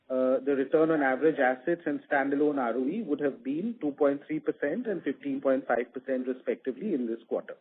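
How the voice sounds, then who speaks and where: Male corporate presenter, Indian accent, rough-edged voice, formal scripted delivery, thin telephone sound. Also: on the high side. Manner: formal, methodical reading of figures. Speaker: bank executive presenting quarterly results. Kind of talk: scripted earnings call presentation. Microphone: telephone conference line. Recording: muffled narrow phone-line conference call.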